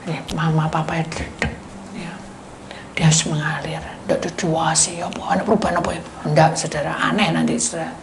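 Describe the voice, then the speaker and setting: A woman pastor preaching and telling stories, animated, dropping into whispered asides while addressing the congregation. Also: low voice, a little fast, vocal fry. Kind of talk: sermon with storytelling. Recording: roomy hall echo, faint noise.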